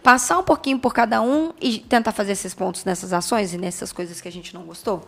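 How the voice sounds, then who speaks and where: A woman in a casual film review chat, talking in an animated way, correcting herself and laughing often. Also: mid-range voice, quick pace, gravelly.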